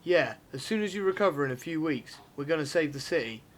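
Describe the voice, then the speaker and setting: A brisk vigilante ex-cop acted by a man in an amateur audio play. He rattles through his explanations in a slightly high male voice, pushy and matter-of-fact, with faint noise behind him. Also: animated, close to an everyday voice. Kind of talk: amateur audio drama acting.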